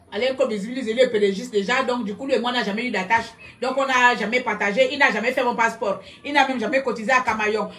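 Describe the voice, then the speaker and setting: A woman giving a loud, combative live-stream rant, shouting back at her viewers. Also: a little high. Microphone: computer webcam.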